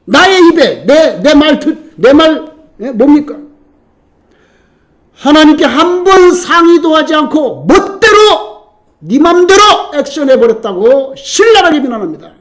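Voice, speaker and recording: Middle-aged man, Korean pastor, sermon; high voice, very lively pitch, shifts between hushed asides and booming emphasis. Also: unhurried. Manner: animated preaching, swings from soft asides to loud emphatic outbursts.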